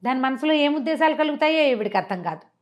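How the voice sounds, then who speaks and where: A woman storyteller retelling a story in a conversational, expressive way, mixing in some English words. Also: sits high, fast talker. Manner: expressive, acts out characters' dialogue.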